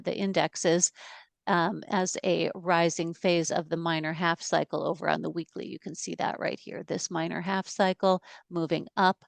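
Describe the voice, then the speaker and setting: A woman walking through stock chart analysis in a measured, steady way with some fillers, speaking on a video call. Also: lowish voice, vocal fry, clear, resonant tone, dry recording. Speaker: market analyst.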